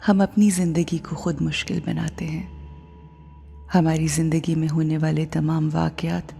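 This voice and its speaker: A woman with a South Asian accent leads a guided meditation in a hushed, soothing, breathy voice, leaving long pauses. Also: sits low, flat delivery. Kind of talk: slow guided meditation narration. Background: faint music.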